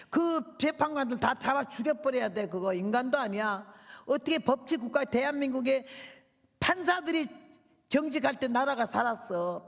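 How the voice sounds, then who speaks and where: Older woman, missionary preacher, fiery rambling sermon, gravelly, echoing church hall. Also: on the high side. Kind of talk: revival sermon. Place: church sanctuary. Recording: long church hall reverb.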